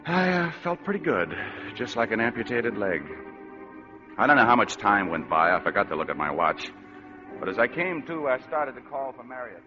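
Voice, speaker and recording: An actor playing a wisecracking, weary private detective who narrates, in 1940s radio style. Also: male voice, medium pitch, very animated, normal speed, over music, close to an everyday voice. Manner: dry, sardonic wisecracks. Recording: dull old radio recording.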